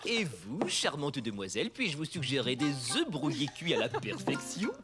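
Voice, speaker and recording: A man's voice: a little high, big pitch swings, moderate pace. A man voicing a playful, kindly young cartoon father with a courteous, mock-formal manner. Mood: playfully formal. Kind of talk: French-language children's cartoon dub. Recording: music behind the voice.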